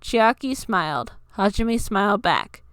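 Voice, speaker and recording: A woman's voice: mid-range voice, very animated, a little slow, a bit bright, smooth, dry recording, studio quality. A woman reading a scripted story aloud as its narrator. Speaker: narrator reading own fan fiction.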